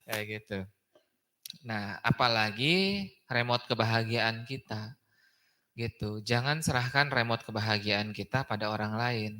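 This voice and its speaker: A man gives a casual Islamic study talk in a mosque, sounding pushed and bright in a mid-range voice. He goes a little slowly with long pauses, and as a chatty preacher he keeps tagging phrases with the questioning aside "gitu kan ya".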